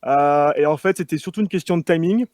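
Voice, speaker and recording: A young man from France, a relaxed guest who talks with many fillers. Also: on the high side, brisk, no room sound, studio quality. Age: young adult.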